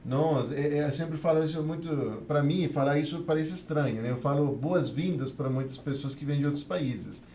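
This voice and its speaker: A Venezuelan man with a slightly high, warm voice talks at a normal pace with few pauses as a podcast interview guest, earnestly recounting his experience of immigrant life and his community work. He ends almost every phrase with a questioning "né," and the sound is roomy with slight hiss or hum.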